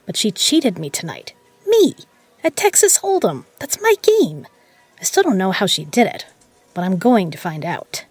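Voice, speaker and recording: A woman playing a shrewd, proud poker legend who runs a bar, brash, sardonic and quick to swear, in an audio drama. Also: mid-range voice, very animated, husky, no echo. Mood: indignant. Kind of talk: dramatic audio roleplay acting.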